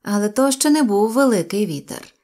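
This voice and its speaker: Woman narrating a kids story, expressive, mid-pitched voice. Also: moderate pace. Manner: lively expressive reading. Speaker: audiobook narrator.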